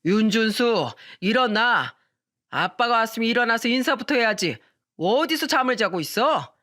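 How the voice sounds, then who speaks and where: A woman reading a radio story, voicing a drunk, domineering middle-aged husband who yells at his family. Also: a little high, lively intonation, normal speed. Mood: drunk, bossy. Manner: slurred, domineering yelling.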